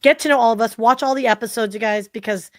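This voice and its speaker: A woman in her forties, a marketing consultant, is a guest on a podcast in a casual interview chat. Her voice is slightly high and she talks fast, chatty and animated, packing her speech with "like" and other fillers. There's no echo on the recording.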